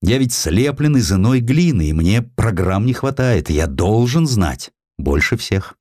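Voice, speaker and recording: A man voicing a poor young scholar, earnest and deliberate, in an audiobook story. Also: lowish voice, very animated, warm tone, dry recording, clean studio sound.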